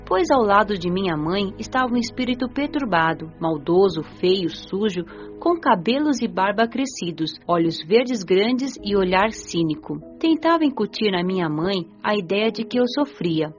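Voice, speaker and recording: Young female spirit narrator , actress: mid-pitched, gentle, earnest, measured, dull recording with soft music. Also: lively intonation, natural voice. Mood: earnest narration. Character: gentle, earnest nineteen-year-old female spirit narrating her afterlife. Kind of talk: dramatised audiobook narration.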